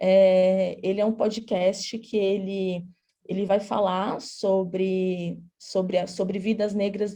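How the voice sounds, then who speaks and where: Her tone dark and mellow, a woman speaks very slowly at a medium pitch with a monotone, flat intonation. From Brazil, São Paulo. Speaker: illustrator and visual artist. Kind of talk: presentation of own work. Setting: video call. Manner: halting, many fillers and restarts.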